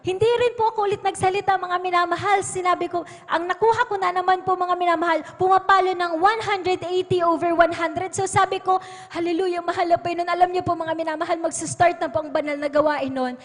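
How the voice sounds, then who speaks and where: High-voiced Filipino woman giving church testimony. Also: fairly even intonation, brisk. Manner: earnest, repeats "mga minamahal" as address. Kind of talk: testimony at Sunday worship. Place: church hall. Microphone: pulpit microphone. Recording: church livestream with long hall reverb.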